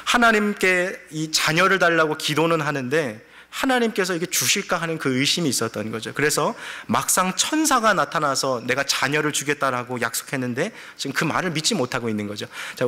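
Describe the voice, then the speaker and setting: A male pastor preaching a lively sermon, acting out quotes and asking the congregation questions. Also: a little high. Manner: animated, acts out quotes, asks the congregation questions. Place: church sanctuary. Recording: reverberant church sanctuary.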